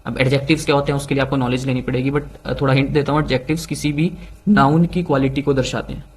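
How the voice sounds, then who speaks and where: A young Indian man talks through English test strategies like a friendly tutor. His voice sits at an ordinary middle pitch, and his delivery is casual and loose, full of "basically" and "right?". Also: fairly even intonation, very fast, breathy edge, low-quality recording. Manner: chatty, with "like", "right?" and "basically" fillers. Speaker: PTE exam tutor. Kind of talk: casual tutorial talk mixing Hindi and English.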